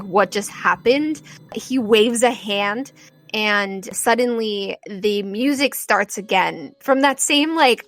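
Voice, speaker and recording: A woman game master improvising tabletop adventure narration in an animated, informal way. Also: mid-range voice.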